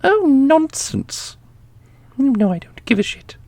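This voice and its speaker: A man's voice: very high voice, sing-song, takes it slowly, vocal fry, warm tone, no echo, voice pushed up, full character voice. A man voicing an ancient, irreverent custodian who is blunt, teasing and evasive in a fantasy audio roleplay. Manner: blunt, playful, elusive.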